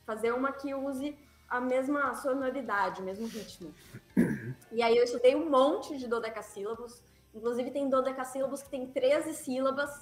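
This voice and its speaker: Woman author, high voice, eager explainer, roomy echo on the mic. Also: normal speed, soft background music. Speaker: guest writer. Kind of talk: casual panel chat on a live stream.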